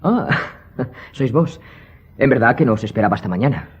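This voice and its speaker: A man playing a breezy, amused young gentleman in a radio drama, with a jaunty, teasing manner. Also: mid-range voice, animated, normal speed, slight background noise, lightly acted. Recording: dull recording.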